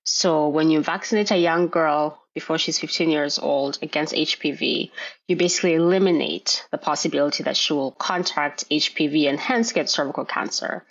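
Low-voiced woman explaining calmly. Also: muffled recording. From Kenya. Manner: measured, explanatory. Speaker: gynecologist guest. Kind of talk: podcast interview.

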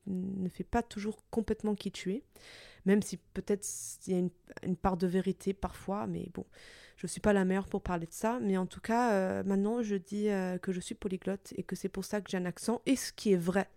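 A young woman from Portugal, a native Italian speaker with an Italian-Portuguese accent, hosting a reflective personal podcast monologue, thoughtful and hesitant with many pauses and restarts. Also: mid-range voice, dark tone, dry recording, clean studio sound. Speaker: podcast host.

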